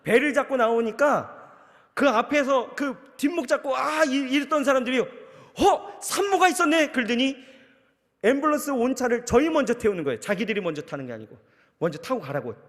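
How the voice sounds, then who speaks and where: A man in his thirties preaches in a church sanctuary, his fairly high voice carrying a long hall reverb. He tells a personal story in sermon style and acts out his own thoughts in lively asides. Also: a little fast. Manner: storytelling with acted inner monologue. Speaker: pastor.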